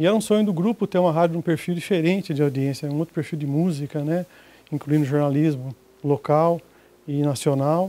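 A fairly quick male voice, fairly high in pitch, dark and mellow in tone, with ordinary pitch variation. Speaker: radio station manager. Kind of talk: casual interview answers, promo talk. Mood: upbeat promotional. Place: shop. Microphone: handheld.

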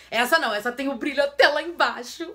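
Raised and projected, a woman's high-pitched voice carries an animated tone with ordinary pitch variation. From Brazil. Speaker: beauty vlogger. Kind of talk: unboxing video.

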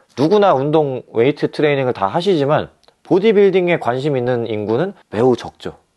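A man with a dark, mellow tone and fairly high pitch speaks at a moderate pace. The background is quiet. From South Korea. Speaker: bodybuilder and fitness youtuber; fitness youtuber. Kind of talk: talking-head video essay. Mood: calm, thoughtful. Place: studio. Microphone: lapel.

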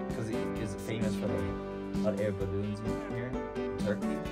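A man speaking over loud music in the background. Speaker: traveler showing hostel. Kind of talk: casual vlog chat. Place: tunnel cave. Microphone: camera far.

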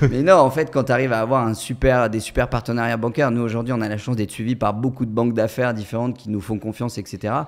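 Against a quiet background, a man talks at a very fast pace with fairly even intonation. He leaves hardly any pauses. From France. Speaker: medical student and property investor. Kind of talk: casual chat. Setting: in a private villa. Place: studio. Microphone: studio mic.

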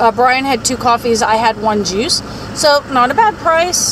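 A woman with a high pitch speaks at a fairly slow pace. Noticeable background noise runs underneath. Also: dry sound with no echo. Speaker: travel vlogger. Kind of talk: casual vlog chat. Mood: relaxed, content. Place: car. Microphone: phone near.

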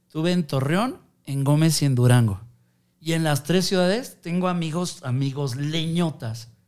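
A man with a Mexican accent at a fairly slow pace, over a quiet background. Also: fairly high pitch for a man, ordinary pitch variation. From Mexico. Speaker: comedian. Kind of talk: casual chat. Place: studio. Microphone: studio mic.

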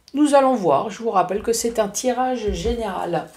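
A woman speaks with very wide pitch swings. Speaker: card reader. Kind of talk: tarot reading commentary. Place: home room. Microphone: camera far.

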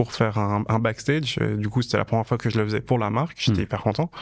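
A man's voice with vocal fry against a quiet background. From Switzerland, canton of Vaud (Payerne); Vaud, Switzerland. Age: 30s. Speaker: fashion photographer; podcast guest. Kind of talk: interview conversation. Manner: hesitant, many fillers. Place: studio. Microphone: studio mic.

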